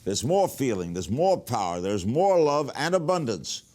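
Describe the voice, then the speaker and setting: A man's voice: medium pitch, very animated, normal speed, a little mellow. A man reading a scripted motivational text in an earnest, exhorting manner.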